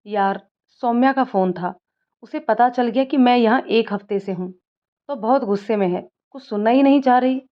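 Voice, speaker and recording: A woman's voice: on the high side, normal speed, close to an everyday voice. A woman voicing an upset young man who is pleading and exasperated, on a slightly dull recording.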